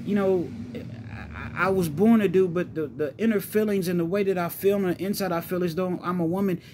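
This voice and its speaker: A man's voice: sits high, a little fast, a little mellow, a little hiss or hum, pitched above the performer's own voice, natural voice. A man voicing a nervous, apologetic trans woman who confesses to an online lover, hesitant and stammering. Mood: pleading, explaining.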